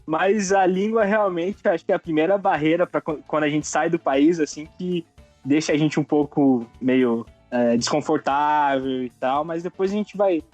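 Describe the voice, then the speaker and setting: A man's voice: a little high, normal speed, a little mellow, no room sound, lo-fi sound. A man chats casually. His talk is slangy and informal, recorded dry, with light music behind. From United States and Brazil. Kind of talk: casual chat.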